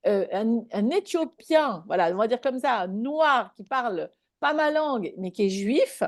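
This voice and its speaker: A woman's voice: fairly high pitch, animated, a little slow, no echo, clean studio sound. A woman giving a live spiritual talk to a small online group, speaking conversationally and checking in with her listeners.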